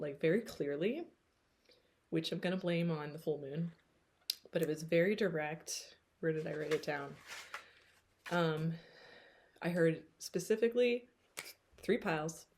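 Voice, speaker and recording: A chatty woman with a Pennsylvania accent talks through a tarot reading. She giggles often and keeps things loose. Her voice sits fairly low for a woman. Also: a little slow, pauses often, darkish tone, slight background noise. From United States. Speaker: tarot reader. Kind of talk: casual chat.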